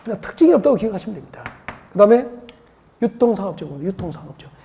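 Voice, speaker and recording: A woman's voice: medium pitch, big pitch swings, racing, warm tone. A woman from Seoul giving an exam-prep lecture, firing rhetorical questions and drilling mnemonics by repetition. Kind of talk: classroom lecture.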